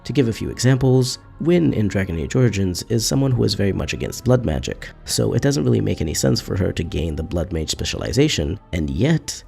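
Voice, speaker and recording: A man hosting his own gaming channel, reading a scripted video essay in a calm, measured, explanatory way. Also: on the low side, vocal fry, soft background music.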